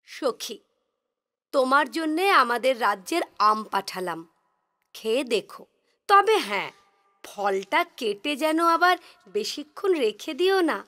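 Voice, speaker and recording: A woman voicing an indignant, competitive queen in a cartoon, with an expressive, pointed delivery. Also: sits high, exaggerated voice. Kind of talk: cartoon voice acting.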